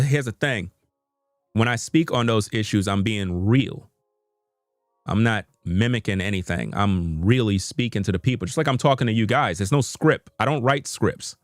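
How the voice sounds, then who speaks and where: Earnest low-voiced man streaming to viewers. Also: lively intonation, moderate pace, no echo, studio quality, faint music behind. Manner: earnest, repetitive, conversational, informal slang. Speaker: YouTube content creator. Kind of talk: unscripted live stream talk to viewers. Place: home room at a computer.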